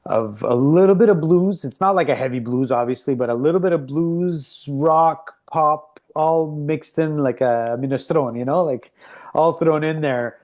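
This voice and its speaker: Halting man hosting a music interview. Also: on the high side, darkish tone. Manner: halting, many restarts, appreciative. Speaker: host. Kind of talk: casual interview chat.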